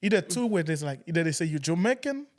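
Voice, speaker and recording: A young man from Haiti co-hosting a podcast, his voice a little higher than most men's. He talks loosely and casually, with frequent fillers. He tells stories in a conversational way. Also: animated. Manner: loose, fast storytelling with fillers like "you know what I mean". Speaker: podcast co-host. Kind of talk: casual chat.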